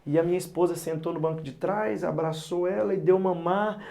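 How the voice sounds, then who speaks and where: Animated pastor telling stories. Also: male voice, high voice, fairly quick, creaky. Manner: animated storyteller who acts out parents and children; earnest, advising. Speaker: pastor and psychologist. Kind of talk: podcast interview talk.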